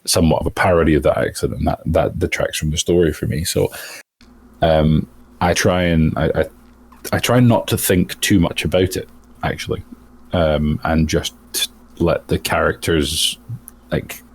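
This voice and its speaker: A voice actor from Europe in a casual interview, talking thoughtfully with many restarts. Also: male voice, a bass voice, normal speed, creaky, slightly rough. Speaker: voice actor guest.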